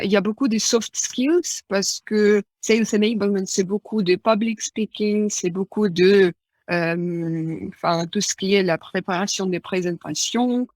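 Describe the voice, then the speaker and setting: A woman's voice: mid-range voice, dry recording. A young woman in her twenties from Ukraine with a Ukrainian accent, answering interview questions in a casual, hesitant way with many fillers. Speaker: guest.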